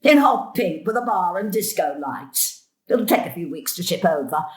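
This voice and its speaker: A woman's voice: on the low side, animated, moderate pace, roomy sound, natural voice. Actress as a spoilt, theatrical elderly grandmother. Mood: excited, dreamy. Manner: imperious, theatrical, querulous. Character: elderly, spoilt, demanding grandmother with fanciful spending sprees. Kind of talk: stage-style audio drama acting.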